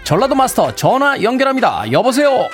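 A male radio DJ in the studio, talking in a playful way and laughing often. His voice sits a little high and swings lively up and down. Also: fairly quick, soft background music. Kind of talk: radio show hosting. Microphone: studio microphone.

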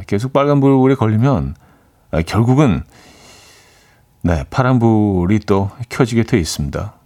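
A man in his forties hosting a radio show, chatting casually and loosely with many fillers while answering listener messages. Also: lowish voice. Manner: relaxed, rambling, many fillers.

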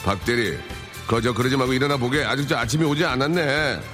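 A man's voice: medium pitch, quick pace, music in the background, lightly acted. A man voicing a drunk male office boss who talks in old-fashioned formal speech in a radio comedy skit. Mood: coaxing.

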